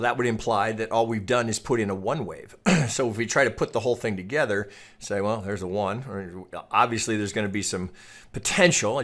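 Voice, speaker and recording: A man's voice: lowish voice, fairly bright tone. A man giving informal chart commentary as a trading educator, conversational and opinionated, with casual swearing and frequent check-in questions. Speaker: trading educator and market analyst.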